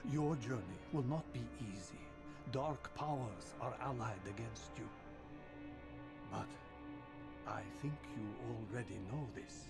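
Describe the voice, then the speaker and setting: A male actor as an ancient vampire mentor in a video game, grave and benevolent. His mid-pitched voice echoes as if in a chamber, with formal, solemn phrasing over loud music. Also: a little slow, natural voice. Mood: solemn, reverent. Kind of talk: dramatic video game acting. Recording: echoing reverberant chamber sound.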